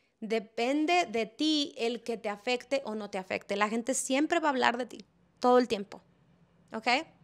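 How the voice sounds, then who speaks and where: A woman talks at a moderate pace in a high pitch with ordinary pitch variation. Her loudness swings widely against a quiet background. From Mexico, Zacatecas. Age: 40s. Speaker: spiritual coach and tarot video creator; spiritual coach, tarot video creator. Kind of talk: motivational talk to camera. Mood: earnest, calmly persuasive. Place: home room. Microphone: lapel.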